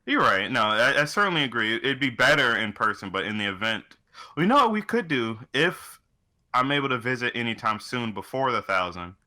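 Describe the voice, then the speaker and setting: A man's voice: medium pitch, sing-song, brisk, pushed and bright. A man co-hosting a casual podcast chat in a laid-back, wry, joking way. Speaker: podcast co-host.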